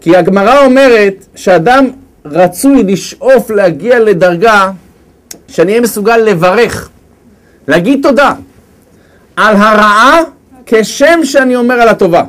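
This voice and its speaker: A man giving a storytelling religious lecture, lively and acting out the characters as he goes. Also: high-pitched. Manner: lively, acts out characters with big swings of voice. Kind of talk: storytelling sermon.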